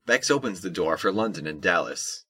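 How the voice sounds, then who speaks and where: A man playing a wry storyteller, narrating a scripted audio drama in a measured way. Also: sits low, lively intonation, bright, forceful tone, husky, heavily acted.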